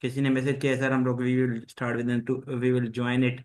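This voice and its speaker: A man with a South Asian accent moderates an online class in a mid-range voice. His delivery stays fairly flat, and his English is formal and halting. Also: mid-range voice. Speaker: host and moderator of an online law study session. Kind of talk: informal online class moderation, switching between Hindi-Urdu and English. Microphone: online group call.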